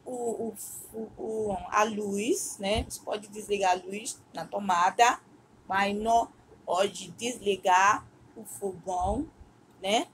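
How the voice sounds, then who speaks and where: Slow-speaking woman teacher. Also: medium pitch, a bit bright, a little hiss or hum, low-quality recording. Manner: deliberate, repeats words and syllables, many hesitations. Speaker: Yoruba language teacher. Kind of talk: language lesson, slow careful explanation.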